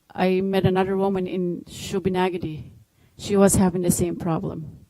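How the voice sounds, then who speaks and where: A woman's dark, mellow voice at medium pitch, with monotone, flat intonation and a moderate pace. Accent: Maritime Canadian. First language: Mi'kmaq. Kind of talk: panel discussion. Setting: conference panel with audience. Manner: halting.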